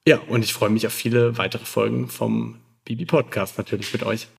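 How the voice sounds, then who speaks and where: A man with a gravelly, creaky voice speaks as a podcast guest. His pitch stays very even through his casual talk. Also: fairly quick. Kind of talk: casual chat.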